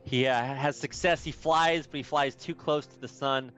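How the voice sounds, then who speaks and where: A man's voice: medium pitch, fairly even intonation, normal speed, fairly bright tone, muffled recording. Upbeat male esports caster. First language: English, with Spanish as second language. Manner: chatty, upbeat, casual with many fillers. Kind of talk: live game commentary.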